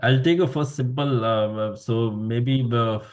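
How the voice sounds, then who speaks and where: Man, club session host, halting, keeps rephrasing, searching for words, video call. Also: medium pitch, a little mellow. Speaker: table topics master. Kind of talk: hosting a club speaking session.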